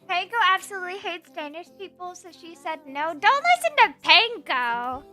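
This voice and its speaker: Bright, high-voiced playful woman streamer. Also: expressive, moderate pace. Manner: playful, rambling, teasing. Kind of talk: casual chat reading stream chat. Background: soft background music.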